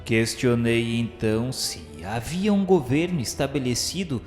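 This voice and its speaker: An actor with a Brazilian accent playing an earnest male spirit who narrates a dark journey in a solemn, literary, carefully enunciated radio drama style. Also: mid-range voice, lively intonation, unhurried, close to an everyday voice. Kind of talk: scripted first-person dramatic narration. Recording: reverberant studio sound with music bed.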